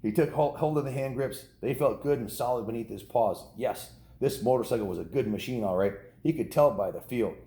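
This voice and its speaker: A man's voice: medium pitch, a little fast, hardly any pauses, mellow. A man casually reading a children's novel aloud, ad-libbing informal asides to kids in a home setting. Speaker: storybook reader. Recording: roomy, echoing indoor sound.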